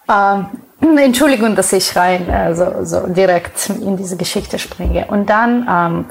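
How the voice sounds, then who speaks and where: A woman's voice: medium pitch, gravelly, poor audio. A woman from Ukraine, speaking earnestly and with some hesitation in a conversational interview. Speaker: guest. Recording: faint background noise.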